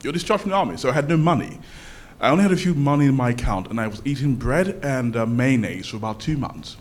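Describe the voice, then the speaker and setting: A man's voice: medium pitch, expressive, fast, a little mellow. A man speaking up from the audience at a public forum, telling things informally in an emphatic, conversational way.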